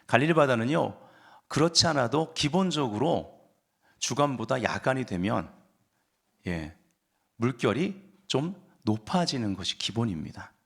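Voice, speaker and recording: A man's voice: medium pitch, gravelly, fairly bright tone. A man preaching a Sunday sermon as pastor, explaining scripture and rising to fervent emphasis.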